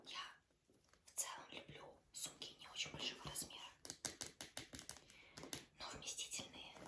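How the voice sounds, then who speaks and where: A woman whispers, leaving long, frequent pauses. Noticeable background noise can be heard. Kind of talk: ASMR what's in my bag show-and-tell. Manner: whispered.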